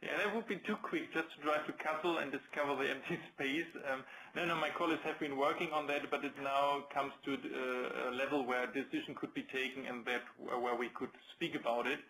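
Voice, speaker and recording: A man's voice: mid-range voice, fairly even intonation, brisk, vocal fry, few pauses, bright, forceful tone, a little hiss or hum, poor audio. A man with a German accent speaking as a company executive, answering questions on a business conference call in careful, hesitant phrases. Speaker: company executive presenting results.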